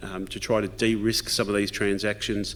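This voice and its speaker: Vocal fry marks the fairly low voice of a man with an Australian accent. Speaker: state government minister. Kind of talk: fireside chat interview. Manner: halting, many fillers.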